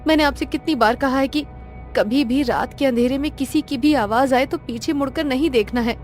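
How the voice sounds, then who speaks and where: This is an anxious village wife in a cartoon story, as a woman narrator puts her on. She speaks quickly and higher than the narrator's own voice, scolding in alarm. Faint music plays behind. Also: darkish tone, close to an everyday voice. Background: background music.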